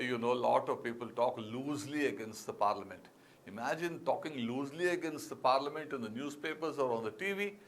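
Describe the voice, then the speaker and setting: A man's voice: high-pitched, sharp tone. A man with an Indian English accent giving a classroom lecture as an exam-prep teacher, emphatic and repeating key words, with frequent fillers. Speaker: civil services exam teacher.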